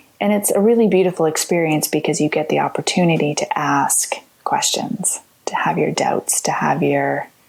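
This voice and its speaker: With a Canadian accent, a woman speaks at a moderate pace and very even loudness, over noticeable background noise. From Ontario, Canada (Ottawa and London). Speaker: writer and photographer. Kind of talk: interview conversation. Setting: podcast interview.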